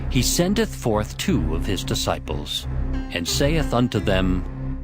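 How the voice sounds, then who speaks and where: Expressive man narrating scripture over music. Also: fairly low pitch, takes it slowly.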